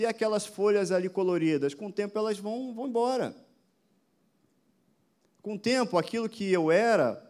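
A man's voice: on the high side, darkish tone. Fervent man preaching a sermon. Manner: preaching with rising emphasis, rhetorical questions to the audience. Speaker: pastor. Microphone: addressing a camera for an online audience.

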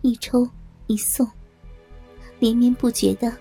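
A woman narrating a first-person audio story in a breathy, halting way, stammering at times. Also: a little high, flat delivery, mellow, faint music behind.

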